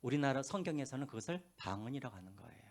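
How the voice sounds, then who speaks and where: A pastor preaching a sermon, telling stories with a lively voice and dropping to quiet asides, with a faint Jeolla accent. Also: male voice, medium pitch, racing. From Korea, Gwangju. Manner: animated storytelling, drops to hushed asides. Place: church.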